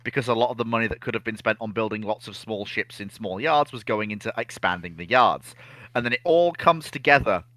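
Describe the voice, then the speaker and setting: A man in a casual history chat, explaining things in an animated, opinionated way. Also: lowish voice, fairly quick, no room sound. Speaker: naval history discussion panelist.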